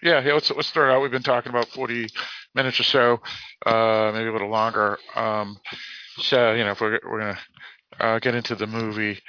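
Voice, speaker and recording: A man's voice: fairly low pitch, steady tone, fairly quick, no room sound, highs cut off. A man with a Boston accent hosting a casual film chat, rambling with restarts and fillers. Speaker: podcast host. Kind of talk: casual movie discussion.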